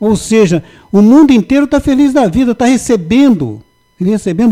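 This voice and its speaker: A man with an extremely high pitch, a dark, mellow tone and ordinary pitch variation speaks at a moderate pace in a dry, close sound with no echo. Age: 70s. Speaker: lawyer and political guest. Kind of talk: radio interview.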